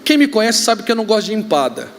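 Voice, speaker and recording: A man with a Brazilian accent, a pastor preaching a sermon, joking and telling stories with sudden shouts. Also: sits high, racing, slight background noise. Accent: Brazilian Portuguese. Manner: joking, animated storytelling with shouts. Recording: reverberant hall, faint ambience.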